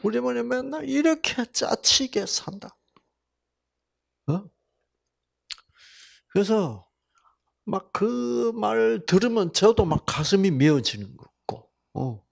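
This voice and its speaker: An older man from Busan, giving a Bible lecture with personal testimony, telling stories folksily and swinging between loud exclamations and soft asides. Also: high voice, lively intonation, slow, creaky, pauses often. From Korea (Busan). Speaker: health seminar lecturer.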